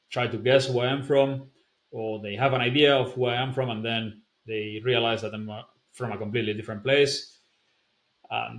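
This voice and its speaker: A man's voice: mid-range voice, reverberant. A young man from the Basque Country whose first language is Basque. He speaks English with a Basque accent that carries a slight German tinge, talking casually with fillers and restarts. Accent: Basque-influenced English with a slight German tinge. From Basque Country, Spain. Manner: chatty and relaxed, with frequent fillers and restarts. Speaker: language-learning YouTuber. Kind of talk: casual talk to camera.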